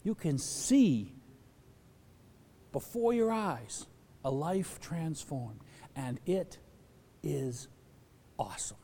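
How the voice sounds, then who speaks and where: A man preaching from the pulpit with a lively, swooping delivery, and his voice rings out in a long hall echo. His tone is mellow and warm, and he slips into the voices of the people he quotes. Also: a little high, drawn-out words, pauses often, breathy edge. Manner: animated, acts out quoted voices. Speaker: pastor. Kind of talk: sermon.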